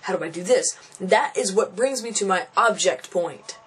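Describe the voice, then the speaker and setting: A man's voice: high-pitched, lively intonation, normal speed, a bit bright, breathy edge. A young transgender man venting casually to camera, frustrated and thinking aloud, often restarting and repeating phrases. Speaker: vlogger.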